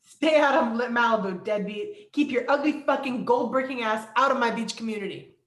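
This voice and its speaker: An echoey room recording of a woman acting as a bullying small-town police chief. The voice is fairly high for a woman, with curt, contemptuous delivery in a film-script table read. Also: a little fast, lightly acted. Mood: furious shouting.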